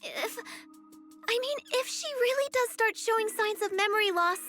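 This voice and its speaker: Cute little game disciple: squeaky-high, anxious, pleading, soft score underneath. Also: female voice, moderate pace. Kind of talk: scripted game voice acting. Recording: game audio with music, played in stream.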